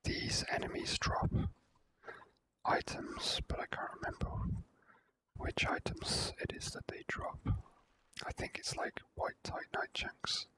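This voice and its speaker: A person whispering relaxed, unhurried ASMR commentary while playing a video game. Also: low-quality recording.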